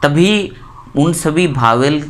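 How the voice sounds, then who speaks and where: A woman from India teaching English grammar in Hindi, saying each example word slowly and more than once to stress it. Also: deep voice, lively intonation, slight background noise. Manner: repeats example words slowly and stresses them. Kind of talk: explanatory lesson in Hindi.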